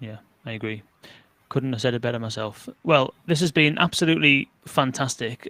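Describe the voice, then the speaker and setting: With a northern English accent, a man talks at a moderate pace in a medium pitch, his tone bright and sharp and the sound dry and close with no echo. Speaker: podcast host. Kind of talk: casual interview chat.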